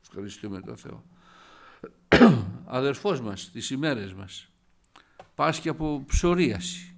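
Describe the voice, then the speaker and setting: A man gives a sermon in a loose, storytelling way, speaking to his congregation as brothers. His voice is gravelly, with a rough fry at the ends of phrases, and he keeps stopping to cough or add asides. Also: mid-range voice, animated. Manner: storytelling, retelling scripture with many asides and coughs. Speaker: preacher. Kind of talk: informal sermon.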